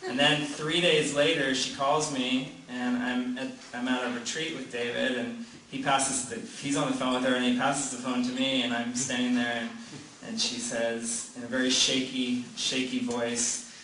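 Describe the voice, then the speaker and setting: This man speaks at medium pitch and a moderate pace, with few pauses, a flat delivery and a sharp tone. Among a group in a room, he casually relates a personal story, rambling with many restarts, plenty of "like" and frequent laughs. Echo, background noise and a faraway mic mark the recording.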